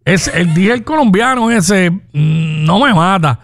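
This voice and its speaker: A man's voice: sits high, animated, takes it slowly. A Puerto Rican man hosting a call-in radio show, joking and teasing through casual banter.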